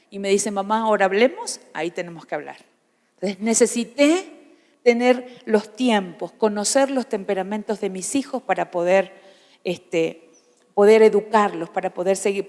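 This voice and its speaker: Woman church teacher, fifties, higher voice, chatty and humorous, recorded with long hall reverb. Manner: warm, humorous, conversational, with frequent restarts. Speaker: pastor's wife teaching a parenting class.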